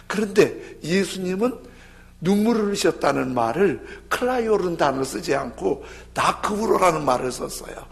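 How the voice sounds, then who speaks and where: Gravelly-voiced male pastor preaching. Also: on the high side. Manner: animated storytelling, acts out voices of biblical figures. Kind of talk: sermon. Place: church.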